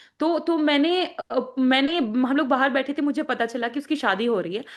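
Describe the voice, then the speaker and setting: With a Magahi accent, the speaker moves at a moderate pace using lively intonation. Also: woman. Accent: Magahi accent in her Hindi. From Bihar, Magahi-speaking region. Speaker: party spokesperson. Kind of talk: interview.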